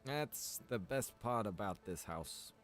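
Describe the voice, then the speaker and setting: Lower-voiced man rambling through a game stream. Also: lively intonation, takes it slowly, faint music behind. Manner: rambling, thinking aloud. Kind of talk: casual livestream gameplay chat.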